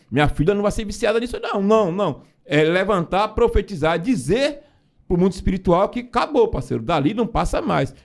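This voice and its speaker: A man on a podcast speaking emphatically about faith, often addressing listeners directly. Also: high voice. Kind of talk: casual preaching talk.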